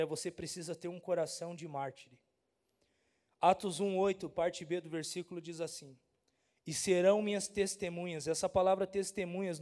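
A man's voice: high voice, a little mellow. A young man from Brazil, a pastor giving a casual, slangy youth sermon and often asking the crowd if they understand.

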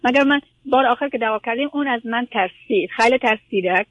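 A woman's voice: a little high, a bit bright, no room sound, poor audio. A woman from Afghanistan, calling a radio advice show and speaking hesitantly with many fillers and English words mixed in. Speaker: caller.

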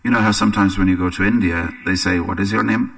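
A deep, gravelly-voiced English man leads a scripture class, speaking in a relaxed, anecdotal way and pausing on fillers. His voice is husky and comes from some distance away from the mic. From England. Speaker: religious teacher. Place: temple hall.

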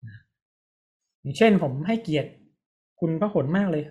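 A man preaching a teaching sermon as a pastor. He keeps turning to the congregation with quick questions to check that they agree. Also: a little high, expressive, warm tone, muffled recording.

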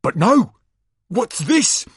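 A man voicing a bombastic sports announcer from a storybook, a booming showman with drawn-out theatrical calls. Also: big pitch swings, husky, dry recording, studio quality, heavily acted. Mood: excited, dramatic. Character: bombastic male sports announcer hyping a tournament.

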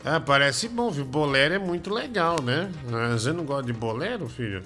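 Joking paulista guy hosting, kinda high voice, music underneath. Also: expressive, a little fast, sharp tone. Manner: joking, teasing, playful. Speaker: host. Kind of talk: casual live show chat. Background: music playing.

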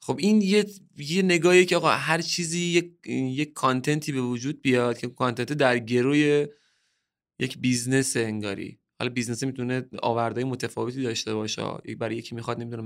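A man from Bushehr in southern Iran talks as a podcast guest in a loose, conversational way. He is earnest and opinionated, and his delivery gets heated at times. His voice sits at a middle pitch. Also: steady tone, creaky.

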